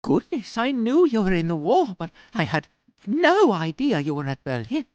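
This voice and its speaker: A woman's voice: medium pitch, big pitch swings, moderate pace, a little mellow, no echo, highs cut off, natural voice. A woman voicing a prim, old-fashioned, inquisitive confidant in an audio drama, with proper, theatrical exclamations. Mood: curious, surprised.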